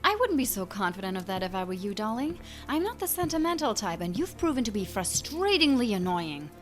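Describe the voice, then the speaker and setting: A woman's voice: mid-range voice, sing-song, brisk, close to an everyday voice. A woman playing a haughty, menacing cryptid villain in an audio drama, with a taunting, theatrical manner. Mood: mocking. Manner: taunting, theatrical, mockingly polite. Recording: music behind the voice.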